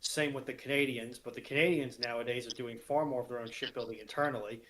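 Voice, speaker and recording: A man's voice: mid-range voice, fairly even intonation, fast talker, fairly bright tone. Guy on a panel making points one by one, emphatic, bit of background noise. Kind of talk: casual discussion, explaining.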